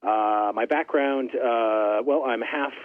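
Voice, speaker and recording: A middle-aged man from Canada, a record label owner, chatting as an interview guest with a friendly, halting manner full of fillers. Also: medium pitch, no room sound. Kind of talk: casual interview chat. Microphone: phone line. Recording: tinny phone-line audio.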